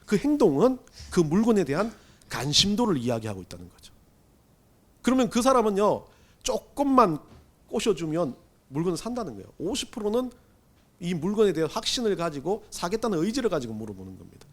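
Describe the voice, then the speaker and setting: A male pastor giving a conversational Sunday sermon, asking the congregation rhetorical questions and swinging between loud emphasis and hushed asides. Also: sits high, sing-song, a little fast.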